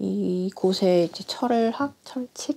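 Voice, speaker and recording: A woman's dark, mellow tone moves at a very slow pace. Her intonation is lively. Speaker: dating show contestant. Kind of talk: casual chat. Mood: thoughtful, relaxed. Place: home room.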